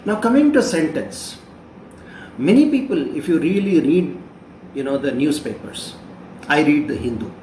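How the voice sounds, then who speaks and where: A man's voice: on the high side, big pitch swings, moderate pace, pauses often, darkish tone, a little hiss or hum. A man in his fifties with an Indian English accent, giving a classroom lecture on journalism, explaining patiently and repeating key phrases. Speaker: journalism professor. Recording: roomy echo, voice from a distance.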